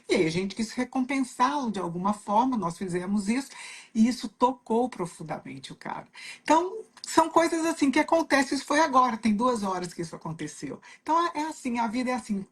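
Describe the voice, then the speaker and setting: Uma mulher com sotaque brasileiro conta uma história pessoal de forma sentida, repetindo palavras para dar ênfase. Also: female voice, on the high side, breathy edge. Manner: heartfelt storytelling, repeats words for emphasis. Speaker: trainer at a coaching company. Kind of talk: casual reflective talk.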